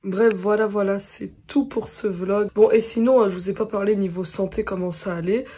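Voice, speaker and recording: A young woman talking casually to camera in a vlog, her voice still slightly hoarse and recovering, chatty with many fillers. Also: medium pitch, steady tone, normal speed, mellow. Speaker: vlogger.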